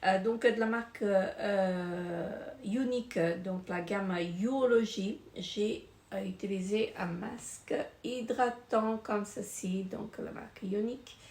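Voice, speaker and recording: A woman's voice: mid-range voice, slow, a little mellow. A middle-aged woman casually reviewing finished beauty products, hesitant, with many fillers and repeated words. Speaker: beauty vlogger. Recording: echoey room with faint noise.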